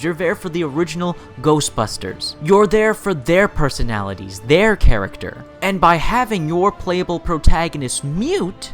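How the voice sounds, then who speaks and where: Male video essay host: lively, swinging intonation, mid-range pitch, opinionated and informal, faint music underneath. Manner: emphatic, repeats and stacks words for emphasis. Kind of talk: video essay commentary on games.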